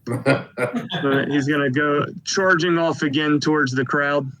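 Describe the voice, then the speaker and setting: A man narrating a tabletop game as game master, calling turns and dice rolls in a steady, matter-of-fact way. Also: on the high side, slow pace, a crowd in the background, rough recording.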